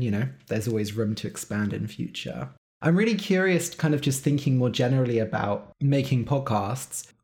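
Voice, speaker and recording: A man's voice: medium pitch, darkish tone. A man hosting a podcast interview, talking in a chatty, casual way. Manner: chatty, uses "like" and "you know".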